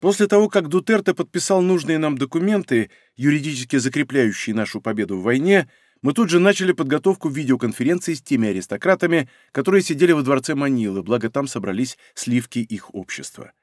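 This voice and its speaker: A man narrating an audiobook in the first person, wry and conversational, with a lively, rising and falling voice. The reading is close and dry. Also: medium pitch, fast talker, hardly any pauses, dry recording.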